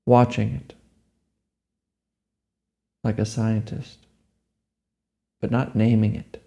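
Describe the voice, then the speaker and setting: A man leading a guided meditation, giving gentle, unhurried instructions. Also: on the low side, flat delivery, gravelly.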